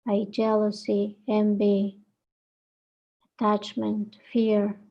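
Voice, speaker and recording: Slow, gravelly woman guiding meditation. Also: medium pitch, completely flat delivery, lo-fi sound. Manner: gentle, unhurried, pausing between short phrases. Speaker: meditation guide. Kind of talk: guided meditation, gentle dharma teaching.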